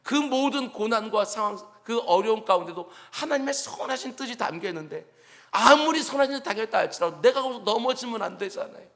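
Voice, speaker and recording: A man's voice: high voice, expressive, quick pace, fairly bright tone. A male pastor giving an early-morning sermon, earnest and preaching with rhetorical questions to the congregation. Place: church sanctuary.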